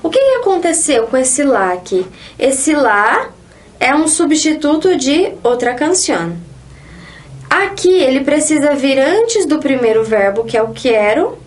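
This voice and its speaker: High-voiced woman teaching Spanish. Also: lively intonation. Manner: explanatory, slow, stresses example sentences. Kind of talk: online language lesson.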